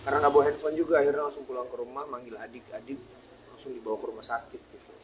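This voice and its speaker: A man speaking to a group of reporters in a plain, halting way, repeating words and restarting sentences as he goes. His voice sits at an ordinary middle pitch. Crowd chatter carries clearly behind him. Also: flat delivery, low-quality recording. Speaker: family member speaking to reporters. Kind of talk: answering press questions.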